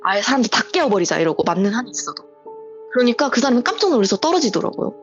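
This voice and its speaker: Over a muffled voice call with faint music behind her, a viewer calls in to share her own true story in a casual, breathless retelling. Her fairly high voice is very animated and racing, and she acts out the lines people said.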